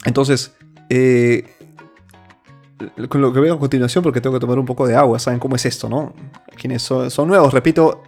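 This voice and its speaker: A man's voice: medium pitch, steady tone, moderate pace, long pauses, darkish tone, soft background music. Earnest Peruvian-born male host. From Peru. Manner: earnest, many restarts and fillers. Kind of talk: opinion monologue.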